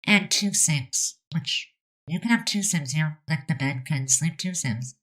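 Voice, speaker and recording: With a stuffy nose and a sneeze coming on, a woman talks her way through a Sims speed build, rambling and filling gaps with fillers. Her deep voice is a bit bright and moves a little slowly.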